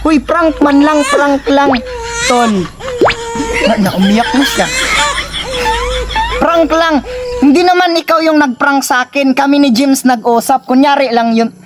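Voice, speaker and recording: A man's voice: very high-pitched, measured pace, pauses often, very noisy. A man vlogging a prank, scolding someone in mock anger and then coaxing and apologizing. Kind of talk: casual prank vlog.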